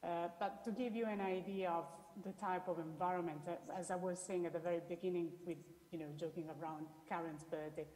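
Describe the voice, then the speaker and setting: A woman's voice: fairly low pitch, steady tone, a little fast, few pauses, darkish tone. A woman with an Italian accent giving an explanatory presentation as an academic researcher, often restating her words. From Italy. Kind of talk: spoken presentation with slides. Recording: echoey hall with long reverb.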